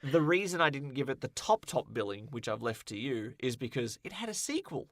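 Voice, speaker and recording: A man's voice: medium pitch, sing-song, a little fast. A man co-hosting a casual podcast about films and games, speaking emphatically and repeating words for effect. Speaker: podcast co-host.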